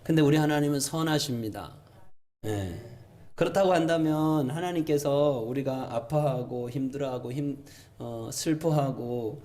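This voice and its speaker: A man in his thirties preaching a sermon as a pastor, animated and acting out complaining questions to God. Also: measured pace. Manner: animated, voices questions to God in a raised pitch. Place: church sanctuary.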